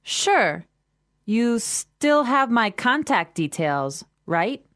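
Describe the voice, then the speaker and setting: Woman acting easygoing friendly businesswoman for english lesson skit, standard american accent, cheery n very up and down pitch. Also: big pitch swings, very slow, fairly bright tone, dry recording, studio quality, exaggerated voice. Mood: friendly, upbeat. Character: friendly, easygoing young businesswoman meeting an acquaintance. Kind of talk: scripted language-lesson dialogue.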